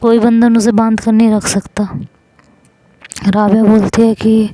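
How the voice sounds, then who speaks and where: Mellow-voiced woman narrating a story. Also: fairly high pitch, measured pace, no room sound, low-quality recording. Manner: switches between calm narration and acted phone quarrels. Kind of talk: narrating and voicing an audio love story.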